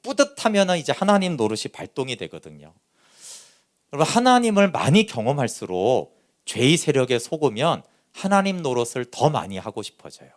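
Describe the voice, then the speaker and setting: A man who is a pastor preaching a Sunday sermon, lively and conversational, often acting out what people said. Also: mid-range voice, normal speed. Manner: animated preaching that acts out quoted speech.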